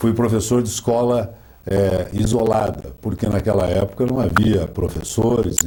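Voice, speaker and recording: Fairly low in pitch, a man talks at a moderate pace with fairly even intonation and audible room echo. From northwest Paraná, Brazil. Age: 50s. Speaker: interviewee, former radio professional. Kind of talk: oral history interview.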